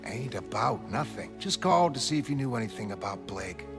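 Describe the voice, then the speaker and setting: A man playing a gruff needling cop. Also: medium pitch, lively intonation, fairly quick, natural voice. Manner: dry, needling, streetwise. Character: gruff cynical male police detective. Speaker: motion comic voice actor. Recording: music underneath.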